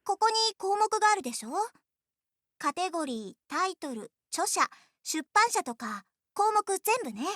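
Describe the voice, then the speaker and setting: A friendly anime schoolgirl in a visual novel, very high and cute. Her casual speech is bright and full of lilting movement. It is a dry recording with music playing behind it. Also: big pitch swings, quick pace, no echo, heavily acted. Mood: helpful. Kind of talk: Japanese visual novel voice acting.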